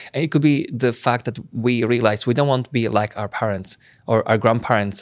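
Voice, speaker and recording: A man speaks at a fairly quick pace in a medium pitch, on a very clean recording with a silent background. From Slovakia. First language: Slovak. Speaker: podcast host. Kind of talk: casual interview chat.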